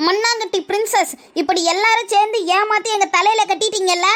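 A woman's voice: very high voice, steady tone, fairly quick, fairly bright tone. A woman voicing a scolding, fed-up mother-in-law in a cartoon, nagging and wailing at her daughter-in-law. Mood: indignant. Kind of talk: cartoon voice acting.

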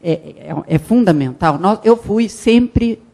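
A middle-aged woman from Brazil giving a conference talk on a handheld mic, animated, with frequent restarts and emphatic rises. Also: mid-range voice, slow pace, creaky. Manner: animated, gestures while speaking, many restarts and emphatic rises. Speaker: conference panelist. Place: conference hall with a panel table.

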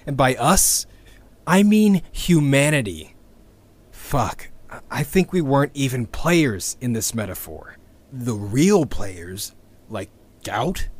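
An actor playing a disillusioned, sweary activist in a sci-fi audio drama, sardonic and halting as he records a confession. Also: a little high. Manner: sardonic, halting, with sighs and wry laughs. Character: bitter, disillusioned male activist, weary and sweary.

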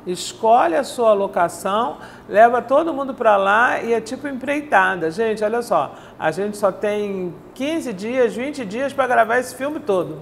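A slightly high, animated voice with vocal fry belongs to an older woman interviewing a guest while seated in a bright indoor TV studio. She tells long anecdotes with repeats, and her lapel mic adds a little hiss or hum.

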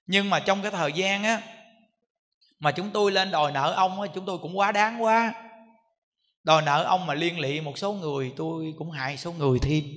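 A man's voice: fairly high pitch, a bit bright, natural voice. A Buddhist monk voicing the resentful ghost of a young man, telling off his father. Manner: resentful, accusing. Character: bitter young male ghost of a debtor son. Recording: echoey hall reverb.

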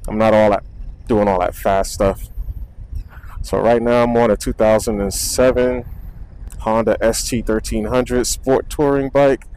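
A young man vlogging casually about his gear while riding a motorcycle, speaking low and easygoing into a wireless mic clipped inside his helmet. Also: unhurried, poor audio. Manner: relaxed, rambling, talks low near the mic. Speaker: motovlogger. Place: indoors at home, then riding a motorcycle on city streets. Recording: faint road and wind noise.

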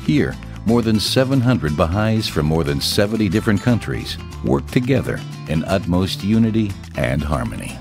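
A man giving calm, measured, reverent narration for a documentary. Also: deep voice, vocal fry, music in the background.

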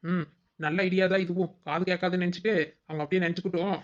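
A woman plays a young village daughter-in-law in a cartoon comedy, scheming and exasperated. She mutters fretful asides in very rapid with a fairly low voice, recorded a little dully. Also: steady tone, lo-fi sound, lightly acted.

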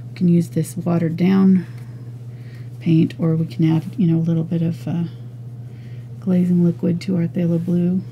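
Low, gravelly, mellow woman teaching painting. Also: a little hiss or hum. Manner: chatty, thinks aloud, soft asides. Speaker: painting instructor. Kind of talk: relaxed step-by-step art lesson.

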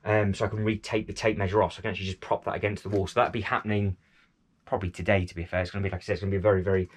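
Pes sesli İngiliz adam, gündelik vlog anlatımı, geveze ve kendiyle dalga geçen. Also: male voice, low voice, flat delivery, rapid-fire, a little hiss or hum. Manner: chatty, self-deprecating, lots of fillers and repeats. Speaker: vlogger. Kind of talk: casual vlog narration while painting and tidying. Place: indoor hobby room at home.

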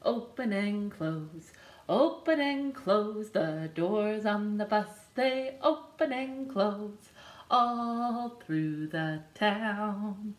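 Woman, 30s, children's librarian; unhurried bouncy singing with playful sound effects, recorded at home in a roomy space. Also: medium pitch. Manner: slow, sing-song and bouncy, with sound effects. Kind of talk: singing a picture book for babies. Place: living room with a couch and a decorated wall.

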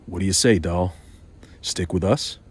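An actor playing a protective, defiant yet tender male spy in an intimate audio drama, with a husky voice. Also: sits low, a little slow, slight background noise. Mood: gentle.

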